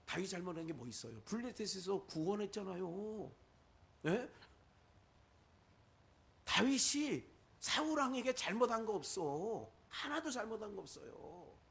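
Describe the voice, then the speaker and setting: A man's voice: sits high, very animated, unhurried, gravelly, a bit bright. A male pastor with a Chungcheong Korean accent, preaching a sermon full of rhetorical questions and quoted asides.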